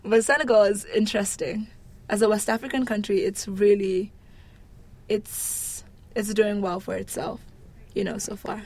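A woman's voice: mid-range voice, steady tone, moderate pace, a little mellow. A woman from Nigeria, talking casually and with wry humour as she answers interview questions. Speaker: interviewee describing her home country.

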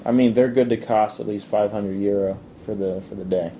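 A young man from Italy chatting casually in an interview, relaxed and halting, with lots of fillers and restarts. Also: fairly low pitch, a little hiss or hum. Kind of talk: casual chat.

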